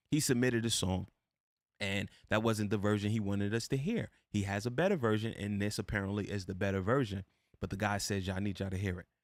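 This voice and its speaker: On a very clean recording with a silent background, a man with a New Jersey accent talks at a very fast pace in an animated tone and a fairly low pitch. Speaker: live stream host and music critic. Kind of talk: live stream music critique. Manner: casual, animated.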